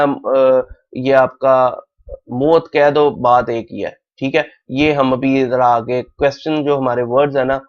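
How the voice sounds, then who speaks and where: Man teaching Korean, dull lo-fi sound. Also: mid-range voice. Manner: repeats words slowly, checks with "thik hai" often. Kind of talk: whiteboard lesson explained in Urdu/Hindi.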